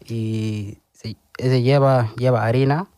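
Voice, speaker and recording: A man from Sudan speaks, slow to find his words and often restarting. His tone is soft and mellow, heard close and dry in a radio studio. He answers a host's questions in a radio interview. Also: medium pitch, steady tone, dry recording. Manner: hesitant, halting, searching for words. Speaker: interview guest.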